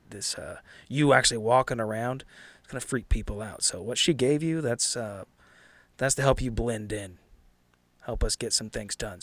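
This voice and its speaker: A man acts out a world-worn, blunt guy in a tabletop game. He explains things wearily in halting, rough everyday language, at a middle pitch and in a dry recording. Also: dry recording, natural voice. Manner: halting, informal, profane.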